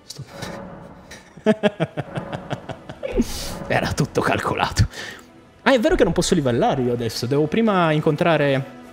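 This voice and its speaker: A man giving excitable gameplay commentary as a streamer, shouting at the boss and joking boastfully. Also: fairly high pitch, slow pace, pauses often. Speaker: gaming streamer. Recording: loud game music behind.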